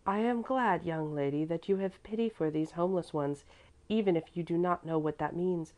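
A woman's voice: fairly low pitch, normal speed, darkish tone, close to an everyday voice. A woman reading the lines of a poor homeless beggar mother in a plaintive, pleading way, in a storybook narration.

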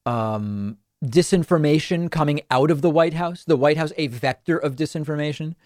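A man's voice: on the high side, normal speed, a little mellow, dry recording, clean studio sound. A man hosting a political talk show, giving scornful, argumentative commentary.

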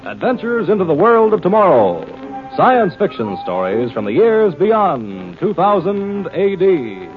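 A man's voice: sits high, wildly swooping pitch, unhurried. A man announcing and narrating a 1950s radio drama in a dramatic, declamatory style. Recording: dull old radio recording. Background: dramatic music.

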